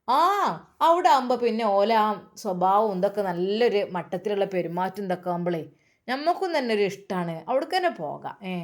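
A woman's voice: medium pitch, darkish tone, close to an everyday voice. A woman voicing an elderly Muslim mother who hurries and dotes on her family. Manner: hurried, fussing, affectionate.

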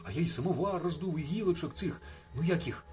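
A man voicing a chatty, excitable little bear cub in a storybook reading, talking eagerly and rambling breathlessly. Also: fairly high pitch, fast, voice pushed up.

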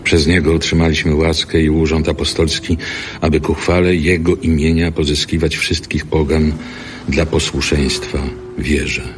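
A man's voice: very deep voice, level tone, moderate pace, a little hiss or hum. An actor playing a solemn, devout apostle reading out his letter in a biblical audio drama. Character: apostle Paul, solemn man dictating a letter.

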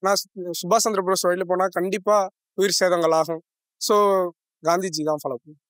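A man's voice: high voice, brisk, no echo, studio quality. A young man answering a street interviewer earnestly in casual speech. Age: young adult. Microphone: handheld interviewer mic.

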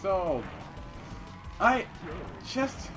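A man who is not a native English speaker, commentating his gameplay in a rambling, playful way. He repeats phrases and bursts into loud declarations. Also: high-pitched, very animated, extremely slow, music in the background. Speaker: let's play commentator.

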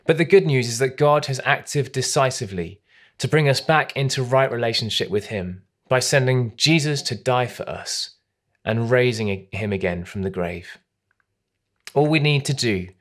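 A man with a British accent preaching an online church sermon in an earnest, measured way, slowing down on key phrases. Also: medium pitch. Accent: British English. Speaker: pastor.

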